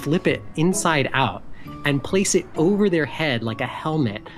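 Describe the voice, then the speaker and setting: A woman narrating scenes as game master in an audio drama, with deliberate storytelling. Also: low-pitched, expressive, faint music behind.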